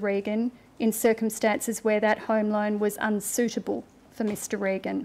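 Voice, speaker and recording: Delivery is fairly slow in an Australian accent. The intonation is monotone and flat. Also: woman. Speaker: senior counsel assisting a royal commission. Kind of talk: courtroom closing address, formal legal oratory. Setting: courtroom. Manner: formal, measured and precise; steady, reading out long lists of findings and citations. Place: hall. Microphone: podium.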